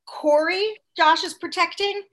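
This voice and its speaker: A woman's voice: very high-pitched, measured pace, a bit bright. A woman co-hosting a reality show aftershow, chatting casually, sarcastic and mocking, and mimicking people in whiny voices. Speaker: podcast co-host.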